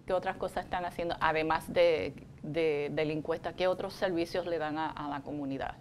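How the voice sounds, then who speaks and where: A woman in her sixties hosting a TV interview in a studio, chatty and animated, with many fillers, on a lapel mic. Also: low-pitched, a little fast, a little hiss or hum. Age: 60s. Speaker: TV show host. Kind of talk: casual Spanish interview. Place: TV studio set.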